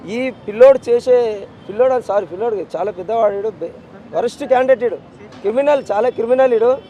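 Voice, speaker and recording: A man's voice: very high voice, fast, mellow, slight background noise, rough recording. A middle-aged man with a Telangana Telugu accent, a bereaved father giving a street news interview, anguished and insistent as he repeats his demands. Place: outdoors on a city street.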